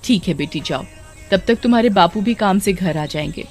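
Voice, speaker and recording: एक औरत बच्चों की कहानी में गांव की एक चिंतित, प्यार करने वाली माँ की आवाज़ कर रही है, जो बेटी को दिलासा देती है।. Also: female voice, mid-range voice, lively intonation, moderate pace, a little mellow, faint music behind, close to an everyday voice. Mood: comforting. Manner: comforting, stammering when shocked. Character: worried loving village mother. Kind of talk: children's storybook voice acting.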